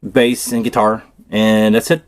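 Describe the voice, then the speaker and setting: In studio-quality audio with no room sound, a man with a fairly low pitch speaks a little slowly and flatly. He's a native French speaker with a Quebec accent hosting a relaxed tech livestream, thinking aloud and rambling as he works on a cable build.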